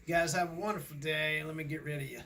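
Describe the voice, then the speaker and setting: An American owner-operator trucker and vlogger in his sixties chats casually on a phone call and to the camera, folksy and rambling. His voice is on the high side, bright and forceful, with a steady tone and fast delivery, plus slight background noise.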